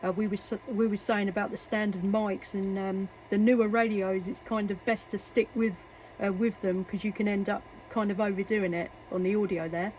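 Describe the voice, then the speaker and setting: A woman's voice: mid-range voice, little pitch movement, normal speed, a little mellow. A woman with an English accent chatting casually as a CB radio operator, in a hesitant, chatty way. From England. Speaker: CB radio operator and video maker. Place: workshop at home. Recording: noisy, radio static and hiss.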